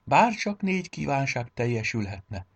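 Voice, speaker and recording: A man's voice: medium pitch, wildly swooping pitch, creaky, fairly bright tone, breathy edge, voice pushed up, full character voice. A man voicing a cheerful, clever little black rabbit in a storybook reading.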